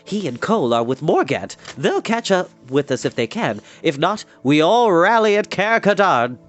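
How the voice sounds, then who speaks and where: A man voicing an excitable, boastful wandering bard who talks in a breathless rush. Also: sits high, normal speed, soft background music, pitched above the performer's own voice. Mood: excited.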